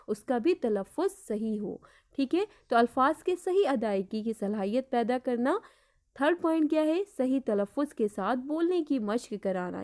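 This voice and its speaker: Woman with indian urdu accent giving an online lesson, kinda high voice, says everything twice, throws in english words. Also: a little mellow. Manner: explains slowly, repeats points, mixes English words. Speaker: teacher. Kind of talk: online lecture.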